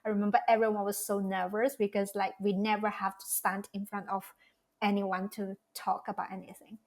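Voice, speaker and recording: Woman in her 40s, podcast guest, thinks out loud, restarts her sentences a lot. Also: medium pitch, flat delivery, brisk. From Malaysia. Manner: reflective, speaks in loose restarting phrases. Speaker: guest, cultural strategist. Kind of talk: casual interview talk.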